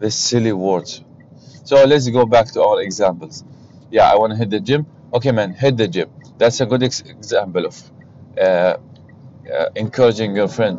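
A man with an Arabic accent, medium pitch and ordinary pitch variation, at a moderate pace with long, frequent pauses. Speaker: podcaster. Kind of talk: casual monologue. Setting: in a car. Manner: halting, many fillers.

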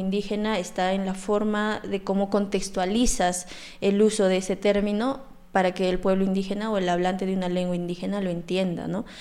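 A woman talks at a medium pitch and moderate pace. Her intonation is monotone and flat. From Peru, Cusco region. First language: Quechua (speaking Spanish). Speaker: interpreter and translator. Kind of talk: interview. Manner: halting.

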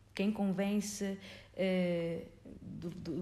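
Amid audible room echo, a woman at medium pitch sounds somewhat breathy, with a dark, mellow tone and monotone, flat intonation. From Angola. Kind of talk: testimony. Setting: studio, in person.

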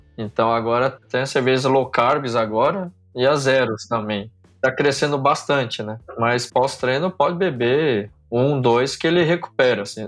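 Here is an ordinary speaking voice. It moves at a fairly slow pace with ordinary pitch variation. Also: man, medium pitch for a man. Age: 40s. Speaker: physical trainer and running coach. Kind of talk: casual chat.

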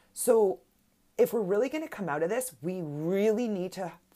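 A woman with lively intonation in a very clean recording with a silent background. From British Columbia, Canada. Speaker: podcast host. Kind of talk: solo podcast monologue.

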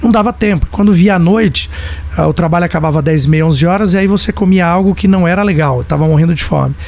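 Against noticeable background noise, a man talks in a high pitch with ordinary pitch variation. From São Paulo state, Sorocaba. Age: 40s. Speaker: state legislator and federal police agent. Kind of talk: interview.

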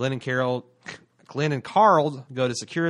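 A man talks fairly quickly with lively intonation in a plain, everyday voice. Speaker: podcast host. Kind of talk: casual podcast chat. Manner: casual, swears often.

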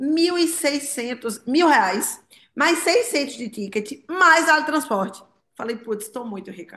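A woman speaks at a very slow pace in a raised, projected voice with a bright, sharp tone. Her intonation is lively, and the background is quiet. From Brazil. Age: 30s. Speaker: financial educator. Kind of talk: radio interview. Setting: radio studio.

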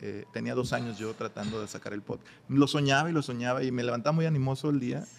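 A man at medium pitch rushes along at a very fast pace with hardly any pauses and ordinary pitch variation. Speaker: podcast host. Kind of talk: casual interview chat. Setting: at a golf venue.

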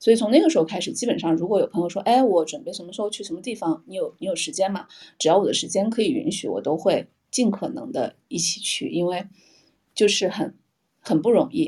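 Speaking at a fairly quick pace, a woman has a medium pitch with very wide pitch swings. Her voice is somewhat breathy, with a dark, mellow tone. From northwestern China. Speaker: columnist. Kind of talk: casual chat.

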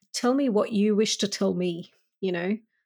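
A woman with an Australian accent, dark and mellow in tone, at a fairly slow pace with fairly even intonation, in a very clean recording with a silent background. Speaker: lawyer and diversity advocate. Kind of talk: interview.

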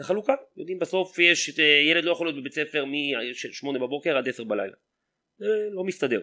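A man's fairly high-pitched, ordinary speaking voice, at a moderate pace with lively intonation. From Israel, Petah Tikva. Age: 40s. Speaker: city mayor. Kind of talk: interview.

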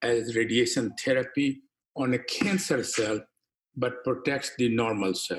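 Somewhat breathy, a man talks at a fairly slow pace. His pitch varies in an ordinary way. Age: 80s+. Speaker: scientist. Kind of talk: interview.

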